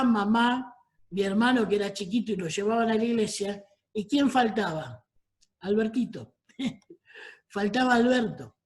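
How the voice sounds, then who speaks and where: A middle-aged man with a Rioplatense Spanish accent preaches a sermon as a pastor, telling his family's story. He calls on the congregation for amens between stretches of storytelling. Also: very high voice.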